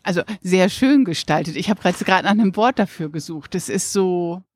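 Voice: medium pitch, normal speed, dry recording. Chatty, upbeat interviewer voice. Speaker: interviewer, reporter. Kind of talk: interview questions. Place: outdoors at a beach bar.

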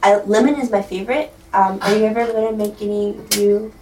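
A woman from the audience asking a question at a panel, halting and full of fillers. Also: medium pitch, steady tone, mellow. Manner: slow, halting, giggly with fillers. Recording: echoey hall, distant mic, faint noise.

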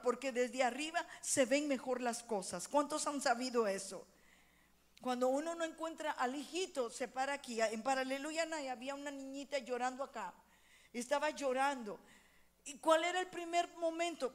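High-voiced woman preaching a fervent sermon. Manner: rising to loud fervent exhortation, then quiet storytelling. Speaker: pastor.

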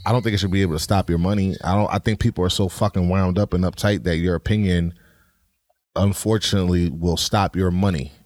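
A man's voice: deep voice, steady tone, fast talker, darkish tone, dry recording, studio quality. A man with an African American New York accent in casual podcast chat, slangy, profane and outspoken. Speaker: podcast co-host.

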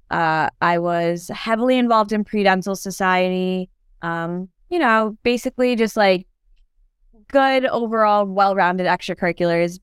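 Young woman, low-ish voice, chatty with fillers, podcast guest, dry close sound. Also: smooth, dry recording. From born in Turkey, raised in New York. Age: young adult. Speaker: dental student guest. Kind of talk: casual podcast interview.

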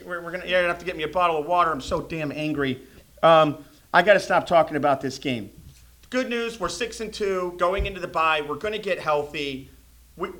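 A passionate man hosts a casual sports podcast, with a slightly raised pitch. He talks in an opinionated, ranting way, pushing his voice up when he gets worked up. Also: fairly bright tone. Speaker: podcast host.

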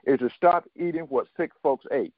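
A man in his seventies, a guest on a talk radio show, telling his story haltingly with many fillers and restarts and quoting others in dialogue. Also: on the high side, no echo. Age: 70s. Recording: dry, tinny phone line.

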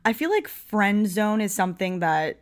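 A woman's voice: medium pitch, very animated, normal speed. A woman in her twenties co-hosting a podcast in casual chat, using lots of "like" and self-mocking jokes. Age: 20s. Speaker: podcast co-host, teacher.

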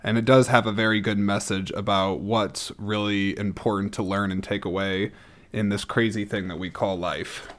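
Low, clear-voiced man chatting casually. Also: little pitch movement, normal speed, fairly bright tone. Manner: enthusiastic, chatty, frequent throat-clearing. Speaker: host reviewing own movie collection. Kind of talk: casual rambling solo commentary.

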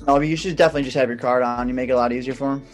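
A man's voice: medium pitch, steady tone, racing, soft background music. A man co-hosting a podcast, telling a story in loose, slangy, rambling casual chat full of fillers. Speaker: podcast co-host.

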